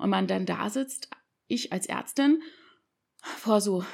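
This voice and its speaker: In an ordinary speaking voice, a woman speaks at a fairly slow pace and a fairly high pitch on a very clean recording with a silent background. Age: 30s. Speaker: doctor. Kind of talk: interview.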